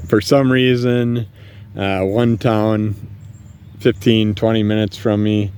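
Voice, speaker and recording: He speaks slowly and flatly in a lowish, darkish voice, with a little background noise, while hosting a solo podcast outdoors after dark. Living with multiple sclerosis, he rants casually, angry, blunt and swearing a lot, as fireworks pop in the distance and vehicles go by.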